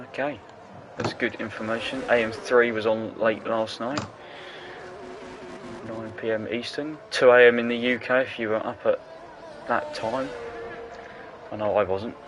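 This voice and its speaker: A man doing casual, jokey commentary on an online racing league, full of quick asides. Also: medium pitch, flat delivery, slight background noise, poor audio. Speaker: race commentator.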